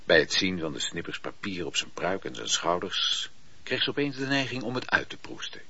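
A man's voice: deep voice, big pitch swings, normal speed, vocal fry, bright, forceful tone, slightly rough, heavily acted. A man narrating a historical radio drama as an all-knowing, literary storyteller. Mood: measured, dramatic. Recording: dull lo-fi radio play recording.

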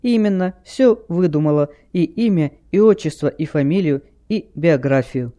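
A man's voice: a little high, lively intonation, normal speed, warm tone, close to an everyday voice. A man voicing a blunt, hard-hearted single mother who speaks curtly and dismissively.

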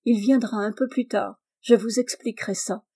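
A woman reading aloud and voicing a bluff, hearty male farmer who talks in gruff exclamations. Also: fairly high pitch, steady tone, moderate pace, dark tone.

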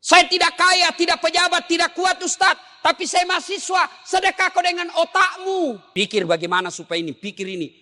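A man preaching an Islamic sermon to a gathering, animated and joking, firing rhetorical questions and breaking into sudden shouts. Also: very high voice, a little fast, hardly any pauses. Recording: long hall reverb.

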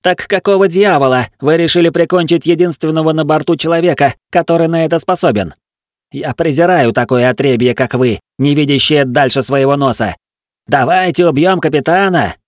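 A man's voice: medium pitch, lively intonation, normal speed, a little mellow, no echo, clean studio sound, pitched above the performer's own voice, close to an everyday voice. A man voicing a cold, scornful male ship officer who speaks with contempt and command. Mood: contemptuous.

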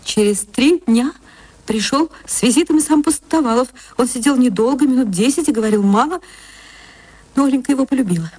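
A woman narrating an old radio play with an emotional manner and sweeping pitch swings. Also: expressive, a little fast, a little mellow, no room sound, poor audio.

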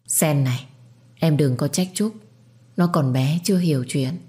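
A woman's voice: deep voice, a little slow, mellow. A woman voicing a scheming sister-in-law who chides with false kindness. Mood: chiding. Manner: chiding, falsely kind. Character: scheming elder sister-in-law, sweet-faced.

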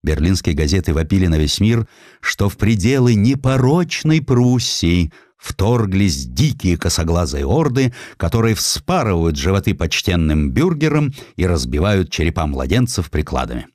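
Deep-voiced, expressive male narrator. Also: normal speed, no room sound, studio quality. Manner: expressive, emphatic storytelling delivery. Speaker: audiobook narrator. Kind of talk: dramatised scripted narration of historical essay.

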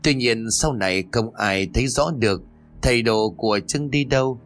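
A man reading a scripted ghost story aloud in a steady, measured way. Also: medium pitch. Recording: faint music under the voice. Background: soft background music.

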